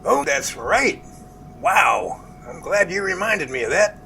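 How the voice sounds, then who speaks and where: A man playing a jovial, earnest research professor in an amateur audio drama, with animated, folksy phone talk. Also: high voice, slow pace, vocal fry, slight background noise, exaggerated voice. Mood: surprised, folksy.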